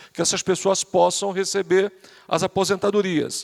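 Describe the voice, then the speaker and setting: This man's high-pitched voice stays monotone and flat, recorded dry and close with no echo. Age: 60s. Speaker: conference speaker on pensions. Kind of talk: lecture.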